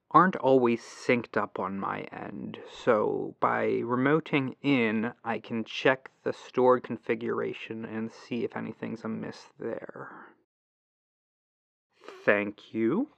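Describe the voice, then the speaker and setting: A man acting as a polite, patient tech support agent in a soft-spoken ASMR roleplay, musing aloud over a lo-fi telephone line. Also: medium pitch, steady tone, creaky, no echo. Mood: focused, polite. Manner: unhurried, pausing, courteous, musing aloud. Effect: lo-fi telephone filter.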